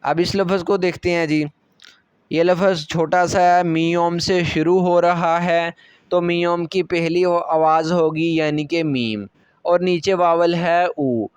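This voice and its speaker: Male language teacher, Pakistani Urdu accent, high voice, unhurried and patient, clean smooth tone. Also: steady tone, no room sound. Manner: patient, repeats each syllable slowly, frequent checks of understanding. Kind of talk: step-by-step classroom lecture.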